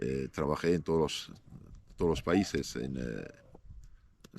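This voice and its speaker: A man speaks at a fairly slow pace. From northern Syria, then Belgium from childhood. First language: Aramaic (French second) (speaking Spanish). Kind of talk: interview. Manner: hesitant, with filler sounds.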